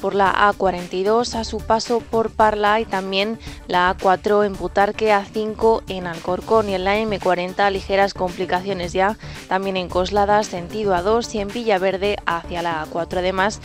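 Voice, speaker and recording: Woman, traffic news, mid pitch, clear music bed. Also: steady tone, normal speed. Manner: clipped, listing delivery. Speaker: traffic reporter. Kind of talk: radio traffic bulletin.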